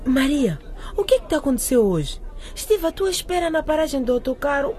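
A woman's voice: high-pitched, sing-song, fairly quick, a little mellow. A woman playing a cheeky, sarcastic teenage schoolgirl in a radio drama, teasing and dramatic. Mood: teasing, indignant.

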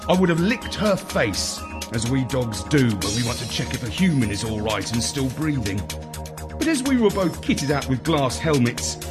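A man reading a children's story in an expressive, deliberate, theatrical narrating style. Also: mid-range voice. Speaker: story reader.

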